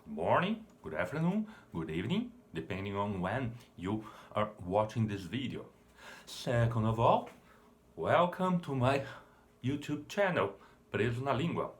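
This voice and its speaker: Unhurried Brazilian man teaching literature. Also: medium pitch, sing-song. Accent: Brazilian Portuguese. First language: Portuguese. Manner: unhurried, measured, explanatory. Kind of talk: literature lesson to camera.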